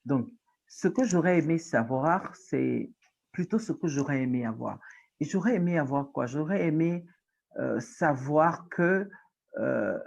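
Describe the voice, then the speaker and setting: A woman with a Togolese French accent, a guest on an interview show who teaches journalism, speaking thoughtfully with pauses and restarts. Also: deep voice, creaky, darkish tone, lo-fi sound. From Togo. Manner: thoughtful, with frequent hesitations and restarts. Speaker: guest, writer and journalism lecturer. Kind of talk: reflective interview talk.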